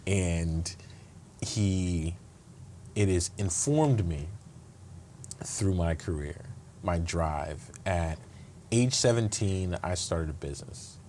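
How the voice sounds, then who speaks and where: Low voiced guy talking earnestly in an interview, restarts a lot, faint hiss behind. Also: takes it slowly, dark tone. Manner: earnest, reflective, frequent restarts. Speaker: guest, state attorney. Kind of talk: conversational interview.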